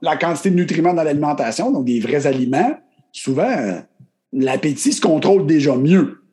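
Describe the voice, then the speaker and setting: A dark, mellow tone carries very wide pitch swings at a moderate pace. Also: man. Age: 40s. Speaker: naturopath. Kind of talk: interview.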